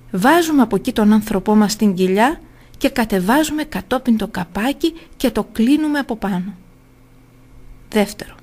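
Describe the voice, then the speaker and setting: A woman's voice: medium pitch, darkish tone, close to an everyday voice. A woman voicing an eager, fawning male blacksmith who explains his invention to a ruler. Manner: ingratiating, explaining keenly.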